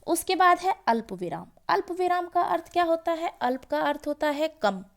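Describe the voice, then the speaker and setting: Female teacher for a children's grammar lesson, high voice with some fry, asks questions and then answers them. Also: big pitch swings. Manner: slow, explaining with questions and examples.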